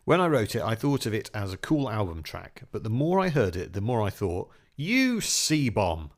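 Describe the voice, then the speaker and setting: A man's voice: on the low side, very animated, brisk, a little mellow. A man co-hosting a podcast in casual chat, trading dry quips and trivia. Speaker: podcast co-host.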